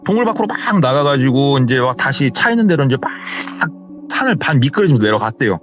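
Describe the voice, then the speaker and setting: A man spins a spooky tale in a lively, sweeping voice, leaning into each dramatic beat. Faint music drifts beneath his casual retelling. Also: mid-range voice, a little fast. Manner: vivid, dramatic retelling with hearsay endings. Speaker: storyteller. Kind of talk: horror storytelling, casual spoken retelling.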